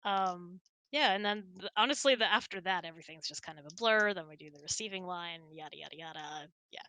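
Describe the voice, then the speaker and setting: A woman's voice: lowish voice, brisk, sharp tone, no echo. A woman hosting a casual hangout, telling stories and answering questions in a chatty, rambling, giggly way. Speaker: host of an online hangout.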